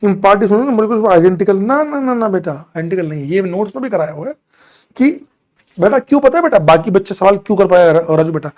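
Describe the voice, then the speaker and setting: A man's voice: sits high, expressive, a little fast. A man teaching chemistry in a live online class, answering student doubts from the chat and scolding and teasing them as he goes.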